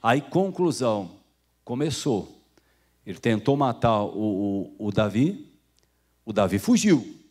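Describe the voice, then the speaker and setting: Slow and punctuated by long pauses, the lowish, slightly mellow voice of this Brazilian Portuguese-accented pastor swings widely in pitch. He preaches to his congregation as brothers, calling them "irmão" and dramatizing the people he quotes.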